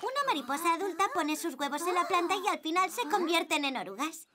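A woman's voice: very high-pitched, animated, fairly quick, very noisy. An actress with a Castilian Spanish accent playing an upbeat, caring young woman who guides children in a cartoon dub, over music. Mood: enthusiastic. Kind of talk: animated cartoon dub acting. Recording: loud background music.

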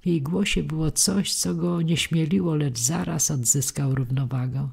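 A woman narrating a classic novel as an audiobook in a measured, literary manner, with a husky voice. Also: deep voice, fairly even intonation, darkish tone.

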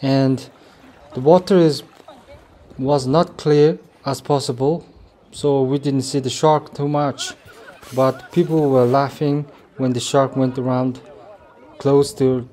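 A man's voice: mid-range voice, steady tone, slow, warm tone. A man narrating his travel vlog as a voice-over, plainly and with some hesitation. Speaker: travel vlogger.

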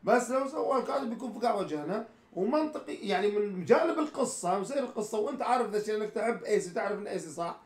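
A man's voice: high voice, expressive, rapid-fire, reverberant. A man co-hosting a heated casual debate, exasperated and repeatedly clarifying his point. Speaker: co-host.

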